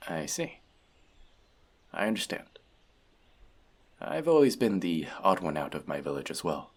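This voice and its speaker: A man playing a wise, teasing, gentle elf friend and magic mentor in a fantasy audio roleplay, talking conversationally and reflectively to the listener. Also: deep voice, very animated, a little slow, full character voice. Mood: concerned. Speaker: voice actor.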